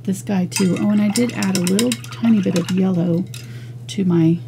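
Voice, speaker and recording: A woman teaching an acrylic painting lesson, talking casually and thinking aloud as she works, with soft murmured asides. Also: medium pitch, steady tone, normal speed, vocal fry, noisy background. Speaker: painting instructor. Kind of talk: relaxed step-by-step art lesson.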